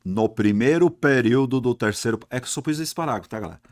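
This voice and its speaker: Lively male grammar teacher, dry sound. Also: mid-range voice, fast, dry recording. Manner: lively, talks to class directly, asks and answers himself. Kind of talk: exam-prep grammar lesson.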